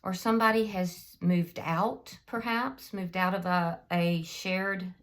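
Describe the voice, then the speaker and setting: Slow-talking woman, a little hoarse. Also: on the low side, fairly even intonation. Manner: unhurried, thinking aloud with many ums. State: hoarse from a cold. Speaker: tarot reader. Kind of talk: casual tarot reading.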